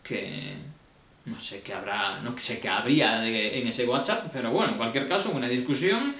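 A man tells his own story in a colloquial, emotional way, full of restarts, sounding deeply upset. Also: expressive, normal speed, sharp tone, echoey room. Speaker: vlogger. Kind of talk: confessional personal account.

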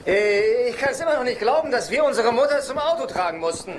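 An actor playing a needy, whiny dad who talks in a hesitant, indignant stammer, in a German-dubbed TV sitcom. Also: male voice, very high-pitched, animated, brisk. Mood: drunk, maudlin. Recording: noisy TV soundtrack with studio laughter.

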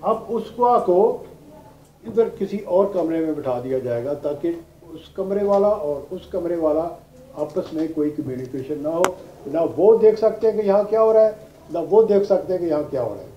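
An older man with a Pakistani accent, a retired judge now teaching law, lectures a class step by step, repeating points and using English legal terms. His voice is on the high side, mellow and lively, at a moderate pace. The classroom recording is roomy, dull and noisy.

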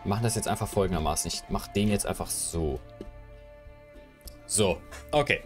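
Soft background music accompanies a young man's low-pitched voice at normal speed as he chats loosely with viewers on a live stream. He's indoors in his room wearing a headset mic, shifting his camera and gear about.

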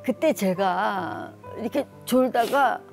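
Middle-aged woman, mellow gravelly voice, earnest emotional testimony, studio talk show. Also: a little high, slow pace, soft background music. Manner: earnest, emotional, retells talk with her daughter. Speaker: guest giving a testimony.

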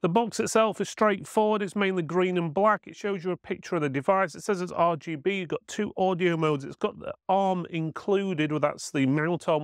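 A man's voice: a little high, no echo. Man, dry close sound. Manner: informal, matter-of-fact. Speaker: product reviewer. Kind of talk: hands-on product demonstration, casual explaining.

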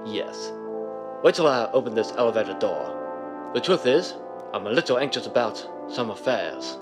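A man portrays a genteel older businessman in a 1930s-style radio play. His speech is formal and fussy, with very lively swings of pitch. Music plays clearly behind the voice. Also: moderate pace, lightly acted. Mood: surprised, anxious. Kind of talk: 1930s radio drama acting.

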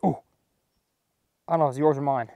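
A man's voice: on the high side, a little fast, gravelly, no echo. A young man from Texas, hosting a casual fishing vlog from a boat on a lake, joking and exclaiming at every catch. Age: young adult. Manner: excitable, jokey, exclaims at catches. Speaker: fishing video host. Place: open boat on a lake, outdoors.

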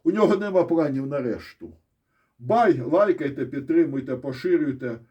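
A man's voice: on the high side, lively intonation, normal speed, warm tone, breathy edge. A man with a Ukrainian accent giving blunt, sarcastic solo commentary on a war, swearing freely and breaking into pointing asides. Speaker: military-political commentator. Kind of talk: casual solo commentary with map.

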